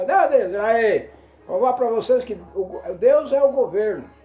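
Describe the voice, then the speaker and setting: Amid noticeable background noise, a man talks at an extremely high pitch with very wide pitch swings. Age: 80s+. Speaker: elderly storyteller. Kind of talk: casual storytelling monologue. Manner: halting, repeats words.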